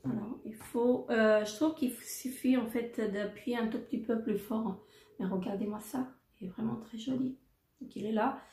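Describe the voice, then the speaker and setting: A woman's voice: on the high side, a little mellow, reverberant. A woman presenting a makeup haul in a casual, hesitant way, with many fillers and repeated words. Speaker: beauty vlogger.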